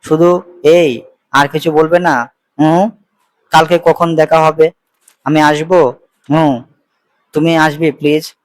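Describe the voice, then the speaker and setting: A man's voice: a little high, steady tone, takes it slowly, long pauses, dry recording. Reproachful young suitor on a phone call, read by a man in a dry, plain voice. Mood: pleading. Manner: insistent, emotional, mixing English phrases. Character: young man pleading with his sweetheart by phone.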